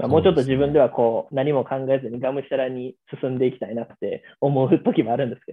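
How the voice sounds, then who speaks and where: Speaking at a very fast pace, a man holds a medium pitch with fairly even intonation. His loudness swings widely. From Japan, Osaka (Kansai). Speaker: craft beer brewer. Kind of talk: casual interview.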